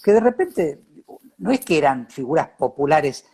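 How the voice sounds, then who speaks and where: A man with a Córdoba Argentine accent and a rough, husky voice conducts a conversational interview. He speaks haltingly, often restating a phrase while hunting for the next word. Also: a little high, very animated, a little mellow. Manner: halting, repeats phrases as he searches for words.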